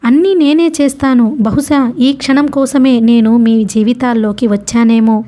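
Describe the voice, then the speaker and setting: A woman reading the part of a loyal male friend who urges gently and earnestly. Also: fairly high pitch, steady tone, normal speed, lightly acted. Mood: urging. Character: steady loyal male friend, calm and persuasive.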